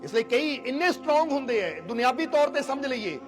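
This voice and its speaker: High-voiced man preaching. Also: sing-song, a little fast. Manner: asks the listeners questions, acts out quoted voices. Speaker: spiritual teacher. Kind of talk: devotional sermon. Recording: sermon with clear music behind.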